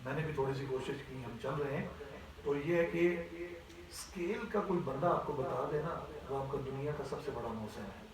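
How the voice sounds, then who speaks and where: A man's voice: mid-range voice, heavy reverb, recorded from a distance, crowd noise, poor audio. A man teaching a class on Quran recitation, explaining step by step and often checking that his students follow. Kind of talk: classroom voice lesson.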